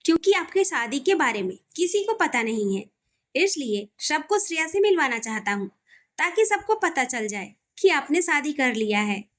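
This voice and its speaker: A woman's voice: high-pitched, very animated, normal speed, slight background noise. Woman voicing an elderly grandfather. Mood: firm. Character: elderly stern grandfather, head of family.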